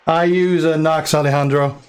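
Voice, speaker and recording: A man's voice: fairly high pitch, moderate pace, clear, resonant tone. A young man from Canada with a French Canadian accent, casually rambling as he answers viewer questions on a live game stream. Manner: relaxed, rambling with fillers and restarts.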